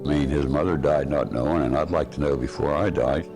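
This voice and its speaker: Very deep-voiced older man, plainspoken. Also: fairly even intonation, a little fast. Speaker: interviewee. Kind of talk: news interview. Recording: news clip with music behind.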